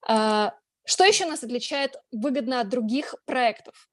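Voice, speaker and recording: A woman's voice: on the high side, expressive, moderate pace, dry recording, studio quality. A woman from Russia, a blogger and journalist, giving a conference presentation in a chatty way, with frequent filler sounds and restarts.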